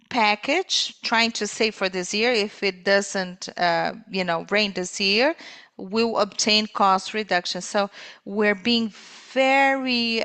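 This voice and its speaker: A woman interpreting live on a corporate call, speaking in halting phrases with pauses mid-sentence. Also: mid-range voice, a bit bright.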